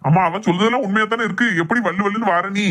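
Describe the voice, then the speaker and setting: A woman's voice: mid-range voice, rapid-fire, a bit bright, lightly acted. A woman playing an exasperated middle-aged husband, grumbling and sarcastic. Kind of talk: comic family skit.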